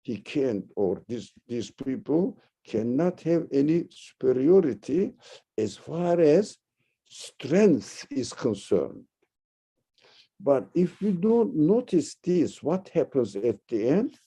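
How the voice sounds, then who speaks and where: A man from Turkey, teaching religion in a discussion, halting and searching for words, then rising sharply to stress key points. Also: on the high side, big pitch swings, gravelly, warm tone, slightly rough. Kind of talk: lecture-style discussion.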